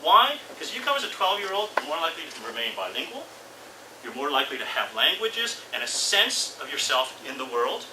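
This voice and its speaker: A man's voice: fairly high pitch, sing-song, fairly quick. A middle-aged man with a Canadian accent giving an informal academic talk, posing rhetorical questions and checking in with his listeners. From Vancouver, Canada. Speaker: university lecturer. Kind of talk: academic conference talk to an audience. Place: indoor seminar room with audience, far camera. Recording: echoey room, distant mic, loud noise.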